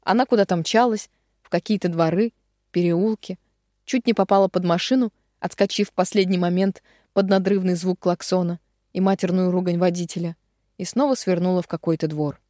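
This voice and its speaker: A woman narrating a romance audiobook dramatically, slowing on the heavy phrases. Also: on the low side, steady tone, dark tone, no room sound, studio quality.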